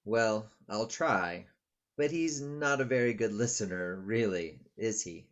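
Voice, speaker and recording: A man's voice: on the low side, unhurried, fairly bright tone, highs cut off. A man playing a patient, courteous college dean in a table read, polite and probing.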